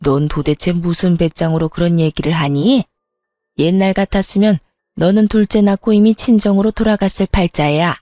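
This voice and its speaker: A stern elderly matriarch of a family drama , acted by a woman storyteller. She scolds and gives orders coldly and with open scorn. The sound is dry and the tone dark. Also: lowish voice, normal speed, dry recording, soft background music, lightly acted. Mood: scornful, scolding. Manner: cold, commanding, scolding.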